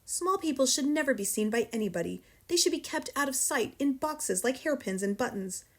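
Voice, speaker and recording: A woman's voice: sits high, expressive, a little fast, pitched above the performer's own voice. A woman voicing a huge, cruel headmistress who barks, snorts and thunders with sarcasm. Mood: disdainful. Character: huge tyrannical female headmistress, cruel, bullying.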